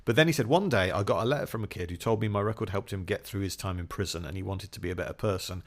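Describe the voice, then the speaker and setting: A man's voice: low voice, racing. A man co-hosting a podcast in casual chat, trading dry quips and trivia. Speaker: podcast co-host.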